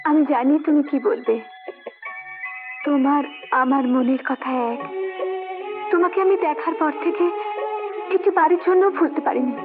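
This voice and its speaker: A young heroine, played by a woman, speaks in a soft, emotional, high voice. Film music can be heard clearly behind her, and the sound is thin and phone-like. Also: fairly even intonation, normal speed, pauses often, close to an everyday voice. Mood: tender. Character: young village girl and a princess.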